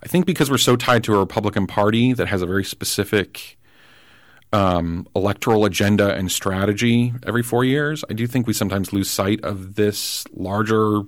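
A man, a podcast guest, talking through political ideas in casual conversation, thoughtful and halting, with many restarts. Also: lowish voice, no echo, clean studio sound.

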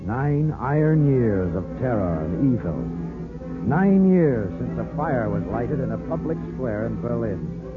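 A man's voice: medium pitch, big pitch swings, unhurried, phone-quality sound. An actor playing a grave, impassioned male narrator in a 1940s radio drama, solemn and declamatory, on an old recording. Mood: grave, ominous. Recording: old 1940s radio recording, band-limited, music behind.

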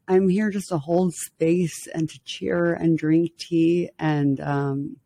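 A woman's voice: on the low side, steady tone, slow pace, warm tone, a little hiss or hum. Woman with a sick voice, enthusiastic. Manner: enthusiastic and appreciative. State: sick voice with a cough. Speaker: podcast guest co-host. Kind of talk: casual podcast chat.

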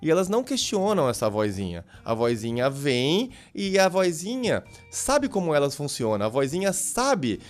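A man with a Brazilian accent, a podcast guest telling lively stories in casual chat and acting out the dialogues. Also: fairly high pitch, moderate pace, hardly any pauses, faint music behind. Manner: animated storyteller who acts out dialogues.

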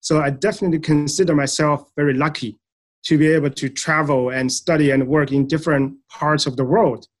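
A man's voice: on the high side, steady tone. Soil scientist man from Eastern China. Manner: measured, explanatory, frequent fillers. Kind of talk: interview answers.

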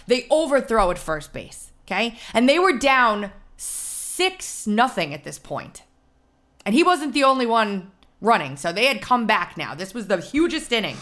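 A woman hosting a podcast, her voice hoarse and scratchy, telling stories in a lively, animated way. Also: mid-range voice. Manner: animated storyteller. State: hoarse from screaming. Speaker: podcast host. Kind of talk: casual chat.

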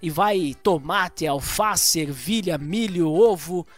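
A man with a Serra Gaúcha accent from southern Brazil talks in a high, light voice. He explains things in an animated way and piles on examples. It is a relaxed, casual chat. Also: slow, soft background music. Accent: Rio Grande do Sul (Serra Gaúcha). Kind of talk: casual chat about regional slang.

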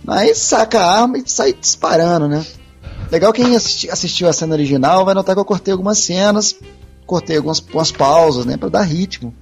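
Telling stories in a relaxed podcast chat, this man from Minas Gerais, Brazil, laughs and swears freely in a Mineiro Brazilian Portuguese accent. He's a podcast guest and video dubber whose expressive voice sits high and moves a little fast, with faint music behind him.

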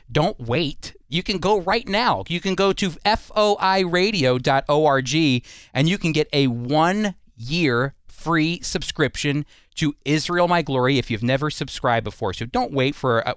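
A man hosts a Christian radio conversation with an earnest, explanatory manner. His voice is smooth and clear, and the sound is dry and close. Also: fairly high pitch, a bit bright, no echo. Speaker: radio host.

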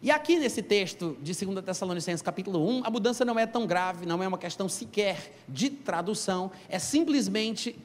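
A high-voiced man preaches in a church hall, his voice trailing off in a long reverb. He teaches scripture in an animated, emphatic way, stopping to call out to the congregation. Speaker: pastor. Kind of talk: sermon.

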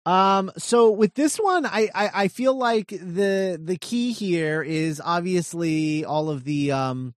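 A man with a slightly higher than usual voice talks in a loose, hesitant way, full of pauses and restarts, his sentences often trailing off softly. The sound is close and dry, with no room echo. He is brainstorming in a relaxed conversation. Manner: hesitant, many fillers and restarts, trails off quietly. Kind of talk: casual brainstorming chat.

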